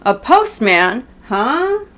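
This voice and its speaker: Woman acting an excitable, high-pitched little puppet fellow. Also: very slow, heavily acted. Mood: eager, puzzled. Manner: eager, exclamatory, questioning.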